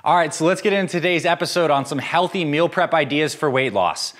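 A man's voice: fairly high pitch, animated, a little fast, fairly bright tone. An American man in his thirties hosting an instructional nutrition video, speaking to camera in a direct, encouraging way. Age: 30s. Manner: direct, encouraging coaching address. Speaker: fitness and nutrition video host. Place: home-style kitchen, indoors.

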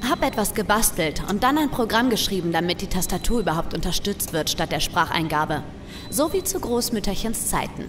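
A woman's voice: medium pitch, animated, a little fast, close to an everyday voice. Cheeky woman as hacker, noisy background. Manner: cheeky, nonchalant. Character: quirky, self-assured female network expert, a hacker. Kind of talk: audio drama acting.

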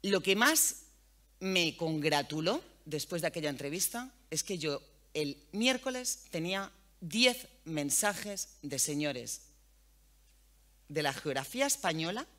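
In an event hall, a woman who works as a journalist and radio host gives a lively talk to an audience. She's frank, colloquial and animated, swearing freely, with a bright tone and a pitch that leaps around energetically, sounding every bit the seasoned radio host.

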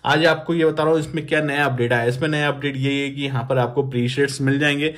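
A man's voice: medium pitch, steady tone, quick pace, a bit bright. A man, presenting a casual phone tutorial in a repetitive, instructional way, addressing viewers as friends. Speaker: tech YouTuber.

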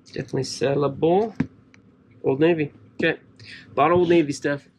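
A man in his thirties talks to himself and his viewers as he sorts through boxes, with a slightly higher voice than most men. His remarks come in loose, chatty bits. A faint hum of the room sits behind him. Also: steady tone, a little fast, highs cut off. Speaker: storage locker reseller. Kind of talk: casual unboxing commentary to camera. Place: cluttered storage room indoors.

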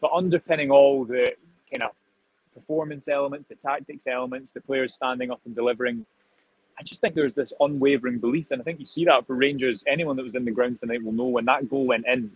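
A man's voice: mid-range voice, slightly rough, no room sound, rough recording. A man in his twenties, a reporter at the stadium on a video call, reflecting on the match in a thoughtful, rambling way. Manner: thoughtful, rambling, many restarts. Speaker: football reporter, guest. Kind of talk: live reaction analysis.

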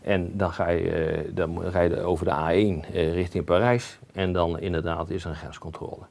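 Male expert guest, low gravelly voice, cautious and measured, lots of hesitation. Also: flat delivery, darkish tone. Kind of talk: conversational interview.

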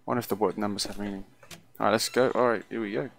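A man's voice: lowish voice, steady tone, rapid-fire. A man giving casual first-impressions commentary on a game, musing aloud hesitantly and often trailing off. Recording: clearly noisy recording.

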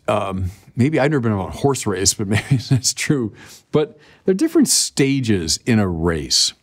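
An older man in his sixties delivers a sermon in a lively, chatty way. His pitch rises and falls freely as he speaks straight to the listeners. A close lapel mic in a quiet indoor studio picks him up. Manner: animated, conversational preaching with direct appeals. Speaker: bishop.

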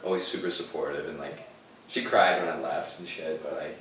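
A man's voice: rumbling low, steady tone, a little fast, a bit bright, a little hiss or hum. A young man hosting a casual podcast, hyped and profane with bro slang. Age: young adult. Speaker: podcast host. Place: living room with couch. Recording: echoey room, mic far off.

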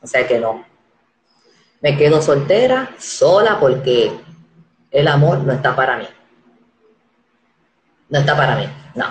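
A woman in her forties hosting a casual live-stream chat, animated and acting out the voices she quotes. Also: extremely low pitch, measured pace, pauses often, reverberant, slight background noise, low-quality recording. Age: 40s. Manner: animated, acts out quoted voices, repeats words.

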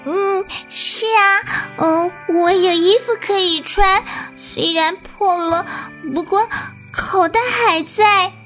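A little anxious animal in a children's radio drama. The voice is piercingly high and bright, slow and plaintive, exclaiming over soft music. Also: exaggerated voice. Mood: brightening. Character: small anxious, squeaky cartoon animal.

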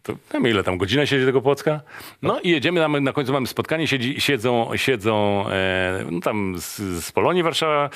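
A man's voice: medium pitch, fairly quick. A middle-aged man from Poland, a former footballer, telling anecdotes as a guest and acting out what other people said. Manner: animated, acts out quotes of others in his stories. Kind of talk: anecdotal storytelling.

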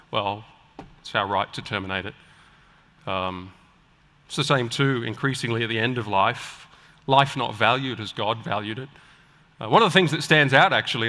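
A man preaching a sermon to a live audience with an emphatic, deliberate delivery and rhetorical pauses, in a large hall. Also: mid-range voice, sharp tone. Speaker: preacher and guest speaker at a church conference. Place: large indoor auditorium, speaking on stage. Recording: echoey large hall with long reverb.

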